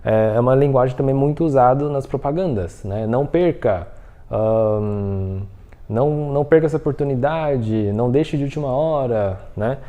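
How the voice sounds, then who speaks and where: A man teaching a Mandarin lesson, explaining patiently, checking in with the listener often and saying example phrases slowly. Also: medium pitch, narrow, tinny audio. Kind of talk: online language lesson.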